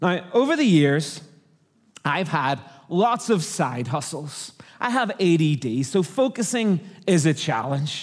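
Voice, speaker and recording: A man with a Northern Irish accent speaks high and animated. He moves at a fairly slow pace with very wide pitch swings. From Northern Ireland. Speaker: preacher. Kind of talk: sermon. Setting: church with congregation. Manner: humorous, animated.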